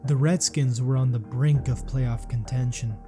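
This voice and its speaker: Guy narrating a sports doc, mellow low-key tone, soft music under him. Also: steady tone, normal speed. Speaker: documentary narrator. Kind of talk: scripted documentary narration.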